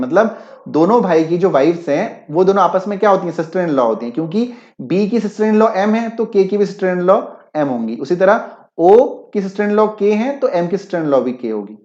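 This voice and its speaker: Male teacher, live online class, mix, slightly high voice, roomy lo-fi sound. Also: darkish tone. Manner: mixes Hindi with English, keeps checking if students follow. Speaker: online exam-prep teacher. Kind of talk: live-class explanation with chat replies. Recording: echoey, dull lo-fi sound.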